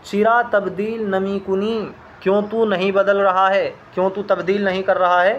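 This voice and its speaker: A man's voice: high-pitched, little pitch movement, normal speed, muffled recording, a little hiss or hum. A man teaching a language lesson, saying each phrase, repeating it, and translating it word by word in a patient, methodical way.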